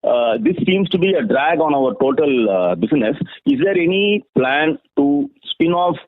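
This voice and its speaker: A man asking questions as a caller on an earnings call, halting but persistent. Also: on the high side, sing-song, no echo. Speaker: investor or analyst caller. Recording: tinny, dry phone line.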